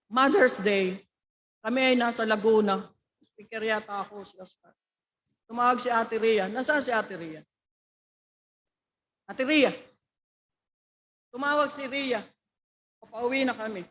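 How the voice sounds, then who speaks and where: A woman's voice: fairly high pitch, a bit bright. A middle-aged woman preaching a Mother's Day sermon in church, telling a family story and acting out the quoted dialogue, then asking the congregation questions.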